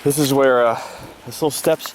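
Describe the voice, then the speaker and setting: Man, mid-pitched voice, casual trail vlog, talking while running, slightly winded, clear outdoor noise. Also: fairly even intonation, normal speed. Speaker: trail runner vlogging his run. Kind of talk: casual vlog commentary to camera. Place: outdoors on a rocky wooded trail.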